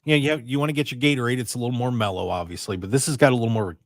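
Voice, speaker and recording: A man hosting a radio show in casual, rambling chat, his voice a little raspy and strained. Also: medium pitch, rapid-fire, no echo, studio quality. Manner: chatty, excitable, rambling. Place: radio studio.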